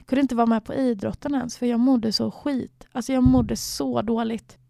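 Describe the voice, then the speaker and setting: A woman's voice: a little high, steady tone, gravelly, dark tone, no room sound, clean studio sound. A young woman from Sweden, candidly telling her own story in a reflective way, sometimes dropping to near a whisper. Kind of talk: personal storytelling.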